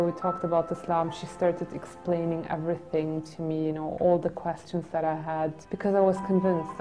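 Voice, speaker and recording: Born in Germany to a Greek family, this woman in her twenties has a lowish voice and calmly tells her own story in a seated personal testimony interview. She speaks softly and reflectively, often restarting, on an indoor studio set with red curtains, and the recording quality is low.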